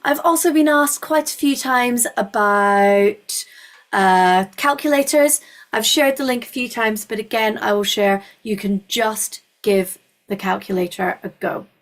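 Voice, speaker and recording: With a fairly high-pitched voice and a measured pace, a Scottish woman hosts a university webinar. Her explanations are informal, warm, and encouraging.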